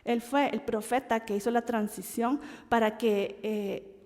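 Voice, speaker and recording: A woman teaching a Bible study lesson in an animated way, acting out quoted voices as she goes. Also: fairly high pitch, unhurried, long reverb tail. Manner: animated, acts out quoted voices, laughs often.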